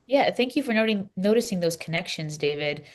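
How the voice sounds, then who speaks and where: A woman reading the part of an earnest, impassioned Palestinian Christian in a scripted readers theater dialogue, speaking deliberately and with emphasis. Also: lowish voice, lively intonation, natural voice. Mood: earnest, devout. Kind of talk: scripted dialogue read as measured conversation.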